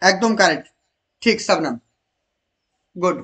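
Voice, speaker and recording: The mid-range voice is animated and a bit bright as this teacher leads an online exam-prep lesson. Questions go out to the class, key answers are repeated, students get praised by name, and English options are read slowly.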